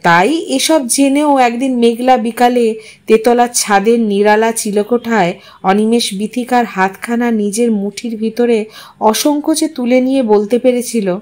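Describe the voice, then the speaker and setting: Higher-voiced woman narrating a story. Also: a little slow, a little mellow. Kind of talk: expressive literary story narration.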